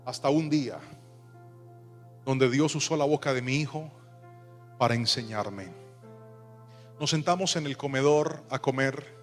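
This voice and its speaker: A man in his thirties, a pastor preaching with passion and then softening into a quiet personal story. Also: mid-range voice, unhurried, pauses often. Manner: impassioned preaching, dropping to soft storytelling. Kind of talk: sermon. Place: large church hall. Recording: reverberant hall with soft music.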